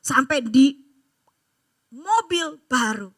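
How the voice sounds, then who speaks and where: A woman pastor, preaching a sermon in a church service with animated storytelling and emphatic exhortation. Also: sits high, extremely slow, dry recording, studio quality.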